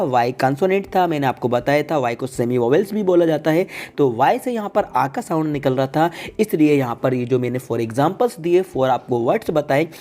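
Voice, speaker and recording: A man leads a step-by-step video lesson, circling back over every point with patient repetition. His voice is mellow and soft-edged, and faint music runs quietly underneath. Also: on the high side. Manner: patient, repeats each point and calls listeners "guys". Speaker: teacher. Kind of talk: classroom-style video lesson.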